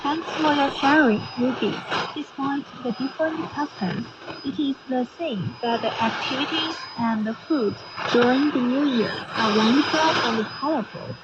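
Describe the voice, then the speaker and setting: A woman radio presenter reading a scripted magazine programme in a formal way, heard over shortwave. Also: high-pitched. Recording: noisy, muffled shortwave radio broadcast.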